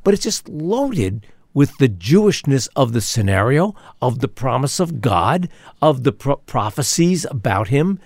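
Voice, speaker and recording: A man's voice: mid-range voice, sing-song, a little slow, darkish tone, no echo, clean studio sound. A man co-hosting a Christian radio talk show, earnest and enthusiastic, with fillers and restarts.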